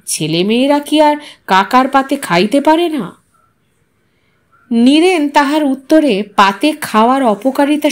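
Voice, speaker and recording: A woman reading a literary short story as a scripted, expressive audio narration. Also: high-pitched. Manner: acts out the characters' dialogue.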